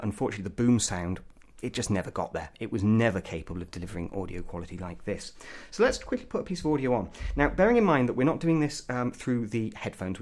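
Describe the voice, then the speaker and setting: Low-pitched man with very animated delivery. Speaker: tech reviewer. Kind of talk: gadget review commentary.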